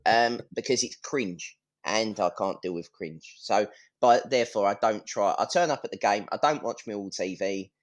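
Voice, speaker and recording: A man's voice: lowish voice, moderate pace. Blunt, sweary man chatting football. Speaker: football fan guest on a podcast. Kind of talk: casual football chat.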